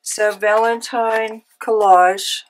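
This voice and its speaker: A woman with a cold hosting a casual craft tutorial, chatty and unhurried, with frequent ums. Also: medium pitch, fairly even intonation, slight background noise, low-quality recording. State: has a cold. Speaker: craft channel host. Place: home craft room.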